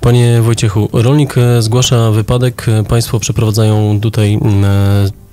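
A man hosting a radio interview and asking steady, probing questions from a studio. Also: on the low side, normal speed. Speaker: radio host.

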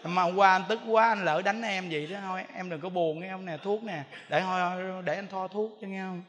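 A man voicing a sheepish husband softly apologizing to his wife. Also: high voice, fairly quick, pitched below the performer's own voice. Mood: pleading. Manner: soft, coaxing, quiet. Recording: long hall reverb.

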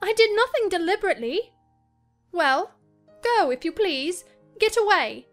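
Very high-pitched, petulant young lady. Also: very animated, measured pace, soft background music, full character voice. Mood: petulant, tearful. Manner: petulant, tearful, dramatic. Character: wayward, spoiled, tempestuous teenage young lady. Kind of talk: dramatized audiobook character acting.

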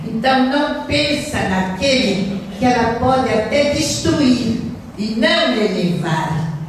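Older woman, earnest spiritist lecturer, slow emphatic delivery, fairly high voice, roomy hall reverb, distant recording. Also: expressive, a little hiss or hum. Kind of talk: lecture reading from notes. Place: small lecture hall indoors. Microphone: stand mic.

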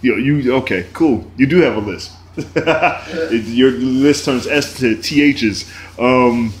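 A man's voice: medium pitch, takes it slowly. A man hosting a casual podcast, talking loosely with many restarts and laughs. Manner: loose, rambling, laughs often. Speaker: podcast host. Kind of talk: casual chat.

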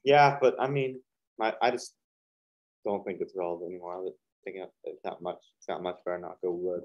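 A man's voice: low voice, steady tone, fairly quick. A young man hosting a reaction video, chatting casually and rambling with lots of fillers in a small hot studio with a fan running. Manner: rambling, full of fillers and restarts. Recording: dull lo-fi sound.

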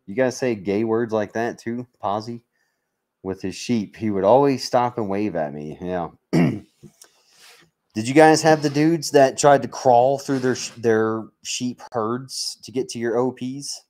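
A Mississippi-born American man, a military veteran who hosts livestreams, chats casually with his viewers. His medium-pitched voice moves at a measured pace and sounds a little mellow, and his banter is joking, blunt and full of swearing.

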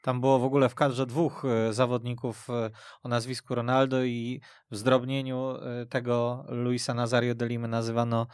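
Smooth-voiced man hosting football radio. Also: mid-range voice, completely flat delivery, normal speed, a little mellow, no echo, clean studio sound. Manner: hesitant, many "e" fillers. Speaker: radio podcast host. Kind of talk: casual chat. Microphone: studio mic.

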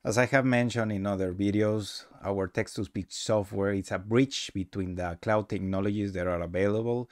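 A man narrating a casual software tutorial with halting, rambling phrasing. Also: on the low side, fairly even intonation, no echo, clean studio sound. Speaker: presenter of a software demo.

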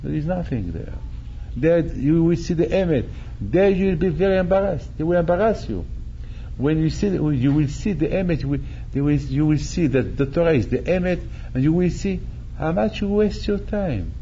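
A man's voice: fairly high pitch, expressive, moderate pace, mellow, highs cut off, slight background noise. An older man, a rabbi, preaching animatedly, repeating phrases and acting out quotes, speaking into a stand mic in a synagogue hall. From Morocco. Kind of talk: sermon. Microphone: stand mic at chest.

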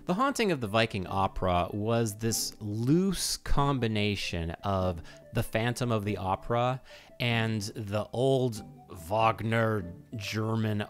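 A man in his thirties talking casually to camera in an animated way, explaining as a video host, close to a microphone in a small home room. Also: lowish voice. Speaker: video host and game music composer. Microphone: microphone on a stand close in front.

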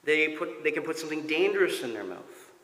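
A male pastor preaching a sermon deliberately and emphatically, posing rhetorical questions and pausing on repeated phrases. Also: on the high side, very animated, fairly bright tone. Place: church, preaching from a pulpit. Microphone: gooseneck pulpit microphone. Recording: echoey church hall with long reverb.

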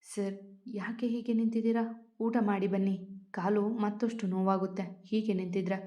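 A woman voicing a gentle, caring young wife who speaks in a soft, coaxing and concerned way, in a storybook reading. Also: medium pitch, flat delivery, moderate pace, close to an everyday voice. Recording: dull lo-fi recording.

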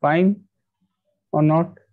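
South asian guy teaching maths on a video call, kinda high voice, hindi-english mix, dull lo-fi sound. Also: fairly even intonation, extremely slow. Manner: mixes Hindi and English, checking in with pupils with short questions. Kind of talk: online class lesson, addressing pupils. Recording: dull lo-fi online call audio.

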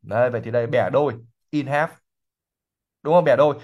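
A man explaining English words during a livestream reading lesson. He repeats words slowly and thinks aloud with fillers. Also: medium pitch, dull audio. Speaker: English teacher.

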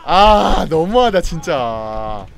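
A man streaming a game, commenting excitedly with loud outbursts and frantic repeated words. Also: on the high side, extremely slow, creaky. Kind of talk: excited live gameplay commentary.

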